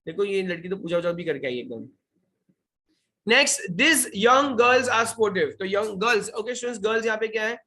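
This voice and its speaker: A man's voice: sits high, animated, normal speed, pushed and bright. A young man with an Indian accent teaching a French revision class, quizzing students and repeating key points. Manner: questioning, repeats key points, mixes Hindi and English. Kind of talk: online revision lesson.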